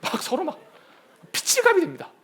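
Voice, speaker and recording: A young man preaching a lively sermon to young people, telling stories and acting out the scenes. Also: very high voice, brisk. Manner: animated storytelling, shouts and acts out scenes. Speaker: youth pastor.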